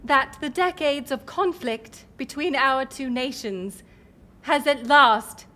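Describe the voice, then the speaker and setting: A woman playing a gracious, resolute middle-aged queen in an audio roleplay, speaking in formal, stately, measured phrases. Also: high voice, pushed and bright, full character voice. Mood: proud proclamation. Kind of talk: scripted audio roleplay acting.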